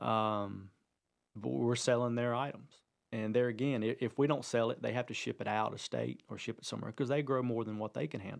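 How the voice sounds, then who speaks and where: A man speaks at a fairly quick pace in an unremarkable speaking voice of medium pitch and fairly even intonation. The recording is very clean with a silent background. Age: 40s. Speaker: farmers market owner. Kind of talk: radio interview. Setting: radio studio.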